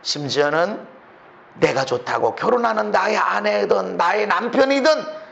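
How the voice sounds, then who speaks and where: A Korean man preaching from the pulpit of his church, his voice high and gravelly with fry. He keeps asking his congregation rhetorical questions, then drops to quiet asides before pressing the point again. The sound is dull and lo-fi, with the roomy echo of the church hall around him. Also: unhurried. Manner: animated, shifts between loud emphatic lines and low quiet asides. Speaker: pastor. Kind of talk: sermon. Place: church sanctuary.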